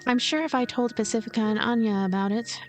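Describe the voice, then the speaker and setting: Casting: woman playing manipulative loner girl, game narrator, detached and coaxing, higher-pitched. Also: quick pace, soft background music, close to an everyday voice. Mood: detached, calculating. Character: lonely, cynical, manipulative girl ghost narrating her schemes. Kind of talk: narration of a visual novel.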